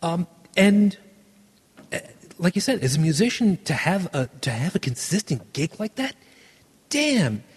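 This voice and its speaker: A man hosting a casual podcast chat, lively, often acting out quoted lines in other voices. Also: high voice, a little slow, husky, long reverb tail. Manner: animated, acts out quoted lines in shifted voices. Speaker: podcast host.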